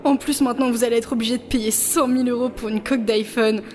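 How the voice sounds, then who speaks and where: A woman's voice: fairly high pitch, steady tone, fast, darkish tone, faint music behind, natural voice. A woman voicing a naive, airheaded cartoon villain's sidekick who talks in slang. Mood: clueless.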